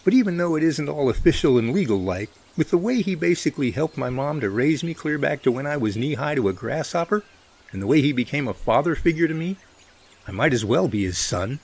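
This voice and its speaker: A man's voice: fairly high pitch, lively intonation, a little fast, vocal fry, husky, exaggerated voice. A man playing an earnest, protective brotherly figure in a radio drama, pleading in a folksy way. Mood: tender, heartfelt.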